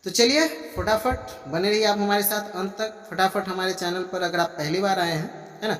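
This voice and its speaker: A man runs a relaxed online English class. He speaks in a chatty, coaxing way and stretches out each example phrase slowly so viewers can repeat it. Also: sits high, soft background music. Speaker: English tutor. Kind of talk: casual online teaching.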